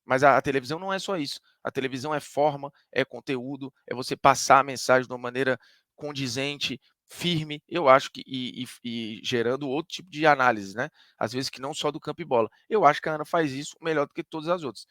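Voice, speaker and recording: A male sports commentator with a Northeastern Brazilian accent talks through his opinions in an emphatic, conversational way. His pitch sits in the middle range for a man. The recording is dry and close, with no room sound. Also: quick pace, fairly bright tone, no echo. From Ceará, Brazil. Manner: emphatic, conversational, argues point by point.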